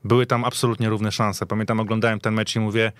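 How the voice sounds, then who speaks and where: Male football pundit, slightly deep, conversational storytelling, close dry radio studio sound. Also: flat delivery, fast, clean tone, no echo. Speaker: football podcast panelist. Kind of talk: casual sports reminiscence.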